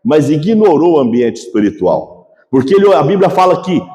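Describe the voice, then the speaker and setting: Casting: a fervent male pastor with a high voice, preaching in a reverberant church hall. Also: sing-song, moderate pace, dark tone. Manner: fervent, repeatedly addressing the congregation as brothers. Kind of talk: sermon.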